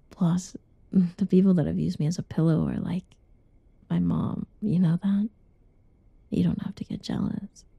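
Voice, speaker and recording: A young woman doing a whispered ASMR roleplay in a soft, teasing whisper, recorded close and dull. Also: medium pitch, gravelly, slightly rough, no room sound.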